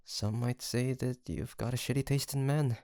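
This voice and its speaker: A man's voice: medium pitch, steady tone, moderate pace, dark tone, no room sound, clean studio sound, natural voice. A man playing a sweet young male roommate and best friend in an intimate roleplay audio, teasing and chatty with a playful storytelling streak. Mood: teasing, soft. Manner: teasing, chuckling, mock-grandiose storyteller.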